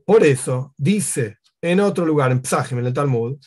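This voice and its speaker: A man's voice: mid-range voice, lively intonation, unhurried, darkish tone. A man teaching a Torah lesson, who explains at length with asides and Yiddish-style Hebrew terms.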